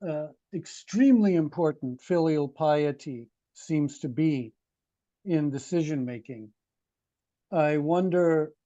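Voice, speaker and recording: A man asking a long, thoughtful question at a seminar, halting often with ums and uhs. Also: a little high, dark tone. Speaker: audience member asking a question. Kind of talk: hesitant spoken question at a seminar. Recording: dull lo-fi room recording.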